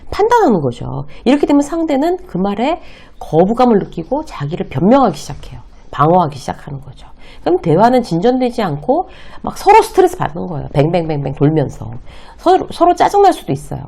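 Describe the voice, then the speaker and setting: Lively, gravelly-voiced woman lecturer. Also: a little high, fairly quick, few pauses. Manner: explains step by step, acts out short example lines in quotes. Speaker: workplace communication lecturer. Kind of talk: lecture to camera.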